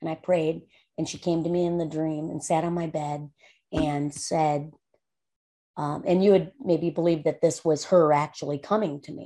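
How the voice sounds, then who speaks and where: Against a quiet background, a woman with an American accent speaks at a moderate pace in a dark, mellow tone and a very deep, low pitch. Her intonation is flat and monotone, while her loudness swings widely. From northern Michigan. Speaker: co-host. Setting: video call.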